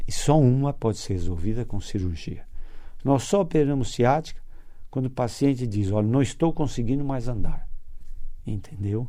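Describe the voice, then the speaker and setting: The man's voice is medium in pitch with a dark, mellow tone and lively intonation. He keeps a moderate pace, with long, frequent pauses. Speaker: physician and radio host. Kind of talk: radio health talk. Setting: radio studio.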